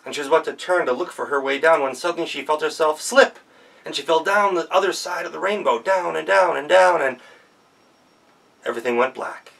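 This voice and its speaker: A male professional storyteller telling a folktale in a gentle, rhythmic way with pauses. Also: fairly high pitch, gravelly, distant mic, low-quality recording.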